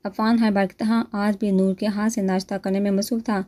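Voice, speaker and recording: A woman narrating a romance novel aloud in a steady storytelling manner. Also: medium pitch.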